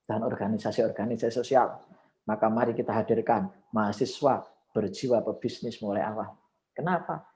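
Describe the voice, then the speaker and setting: A man coaching public speaking on a video call, with lively swings of intonation and frequent exclamations. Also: fairly low pitch. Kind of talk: coaching session with live speech demos. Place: online video call session.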